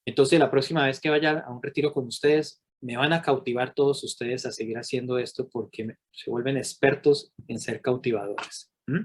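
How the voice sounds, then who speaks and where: A middle-aged man giving a Catholic leadership workshop to a live group, animated and often checking in with the audience. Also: mid-range voice, normal speed, breathy edge. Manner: animated, asks the audience rhetorical questions.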